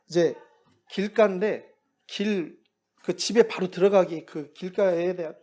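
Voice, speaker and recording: A man's voice: fairly high pitch, dark tone. Conversational male missionary preacher. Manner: conversational, anecdotal, chuckles while telling stories. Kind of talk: sermon storytelling.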